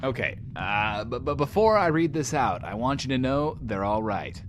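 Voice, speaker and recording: An actor playing a flamboyant, self-absorbed young radio DJ in a post-apocalyptic audio drama, with a showy, hammy delivery. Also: male voice, mid-range voice, expressive, moderate pace, slight background noise, close to an everyday voice. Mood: nervous, cautioning. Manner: showy, hammy, talks about himself in third person, dramatic swings. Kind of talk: in-world radio show monologue in audio drama.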